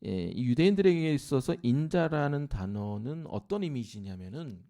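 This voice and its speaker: A man preaching a sermon in church, explaining scripture and acting out lines with rising force. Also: moderate pace. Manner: animated preaching, shouting scripture at peaks, then dropping low. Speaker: pastor. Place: church sanctuary.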